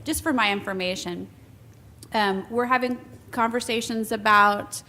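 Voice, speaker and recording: A woman's voice: a little high, a little slow, sharp tone. A woman on a school board asking questions in a public meeting, hesitant, with restarts and many ums.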